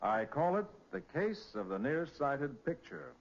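An actor with an American accent playing a confident master detective in 1940s radio drama, explaining things in an assured, crisp manner. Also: male voice, on the high side, very animated, a little slow, full character voice. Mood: assured, explanatory. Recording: muffled vintage 1940s radio recording with music.

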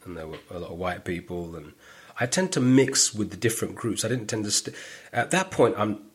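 A middle-aged man with a London accent and a low, husky voice. He talks casually as a guest on a podcast, telling stories with animation and sometimes acting out other people's lines. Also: brisk. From northwest London. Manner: animated storytelling, acts out quoted voices. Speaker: stand-up comedian guest.

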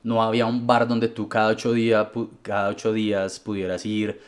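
Relaxed low-voiced Colombian man. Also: moderate pace. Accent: Colombian Spanish. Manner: relaxed storytelling with frequent fillers. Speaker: guest DJ. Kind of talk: casual conversational interview.

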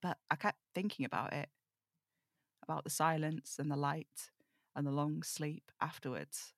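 A woman's voice: low-pitched, steady tone, normal speed, no echo, clean studio sound. A woman playing a snarky, weary supernatural radio host in an audio drama, wry and brooding in manner. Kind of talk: audio drama table read.

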